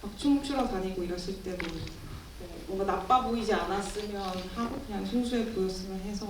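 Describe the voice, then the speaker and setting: A woman director talks haltingly at a festival screening Q&A, pausing to find her words. The sound is distant and echoing, with noise in the hall. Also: mid-range voice. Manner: hesitant, thinks aloud with fillers. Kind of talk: festival Q&A talk. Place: cinema auditorium at a film festival. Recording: echoey hall from far off, noisy.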